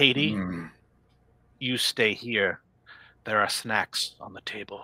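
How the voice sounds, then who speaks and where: Putting on a character voice at a medium pitch, a man speaks at a fairly slow pace with fairly even intonation and big swings in loudness. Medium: actual play. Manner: formal, commanding.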